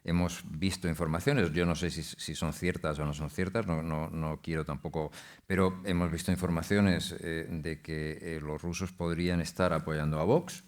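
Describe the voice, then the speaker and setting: Deep-voiced male panelist; measured, cautious, qualifies everything. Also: fairly even intonation. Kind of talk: panel discussion.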